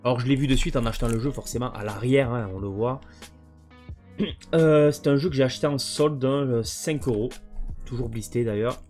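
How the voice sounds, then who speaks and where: A man's voice: mid-range voice, brisk, darkish tone, soft background music. A man casually presenting his video game collection, hesitant and full of fillers. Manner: hesitant, many fillers and restarts.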